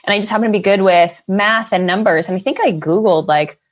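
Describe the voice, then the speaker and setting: A young woman from the Netherlands talks easily as a guest, her voice sitting at an ordinary middle pitch. She strings her thoughts together with lots of fillers and quick laughs. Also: highs cut off. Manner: chatty, many fillers and laughs. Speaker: guest, financial advisor. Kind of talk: casual interview chat.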